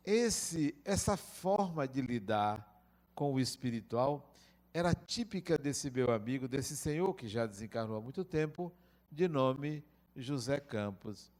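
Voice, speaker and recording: A middle-aged man with a Brazilian Portuguese accent giving a lecture, telling personal stories in a reflective, unhurried way. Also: medium pitch, a little mellow. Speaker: spiritist lecturer. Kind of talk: spoken lecture with personal anecdotes.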